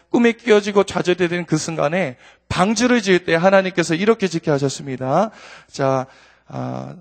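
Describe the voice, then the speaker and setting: A middle-aged man preaching from the pulpit with a gravelly, rough-edged voice that sits fairly high. His delivery swells into emphatic peaks and asks the congregation to repeat after him. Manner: preaching with rising emphasis and call-and-response. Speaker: pastor. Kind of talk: sermon.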